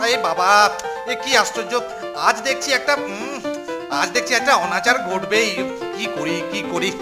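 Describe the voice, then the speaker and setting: A man's voice: high voice, animated, normal speed, loud music behind the voice. A man voicing a flustered, fretful older village headman in a children's cartoon, fussing and repeating himself. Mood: panicked. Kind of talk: exaggerated Bengali children's cartoon acting.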